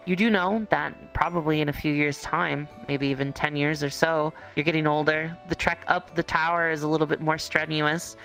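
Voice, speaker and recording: A game master improvising second-person roleplay narration in a conversational, halting way. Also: medium pitch, vocal fry, a bit bright, low-quality recording. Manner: conversational, halting storytelling with hedges.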